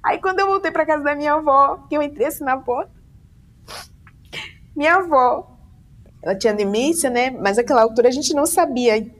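A young woman from tells a personal story in an interview, animated and acting out the voices she quotes. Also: brisk, pauses often. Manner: animated, acts out quoted voices with big pitch jumps. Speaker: interview guest.

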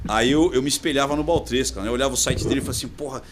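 A man's voice: mid-range voice, racing, background noise. A man with a Brazilian Portuguese accent, a podcast guest chatting casually and fondly recalling the past in slangy talk. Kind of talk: casual conversation.

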